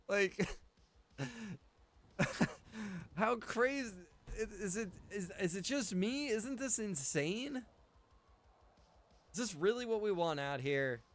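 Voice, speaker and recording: A man's voice: sits high, expressive, drawn-out words, long pauses. A man giving casual, rambling livestream commentary while gaming, repeating phrases for emphasis. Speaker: game streamer and roleplay server co-owner.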